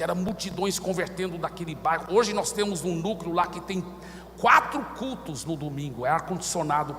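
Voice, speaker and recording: High, bright-voiced preaching pastor. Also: male voice, big-room sound, slight background noise. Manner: swings from shouted preaching to hushed storytelling. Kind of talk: sermon. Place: church.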